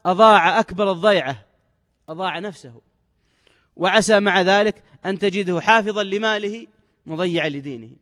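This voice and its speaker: A man delivers a religious lesson in a high, quick voice. He reads each quoted text with lifted emphasis, then explains it in everyday dialect. A long hall reverb trails behind every phrase. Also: a bit bright. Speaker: religious teacher.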